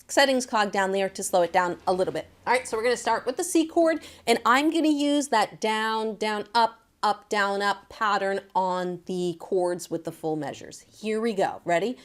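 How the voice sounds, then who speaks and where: A woman giving a casual, chatty guitar lesson, talking informally and directly to viewers as their teacher. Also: fairly high pitch. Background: acoustic guitar.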